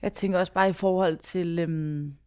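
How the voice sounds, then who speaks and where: A woman interviewing a guest in a relaxed, conversational way, sharing a story of her own. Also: on the low side, clean tone. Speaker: interviewer, former Olympic swimmer. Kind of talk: casual interview.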